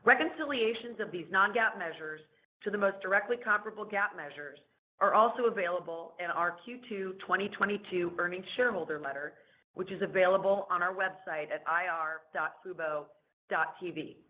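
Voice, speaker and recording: A woman's voice: lowish voice, fairly quick. A woman reads a scripted corporate disclaimer in a formal, businesslike manner as an investor relations presenter. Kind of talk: scripted legal disclaimer reading. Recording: narrow phone-like conference line.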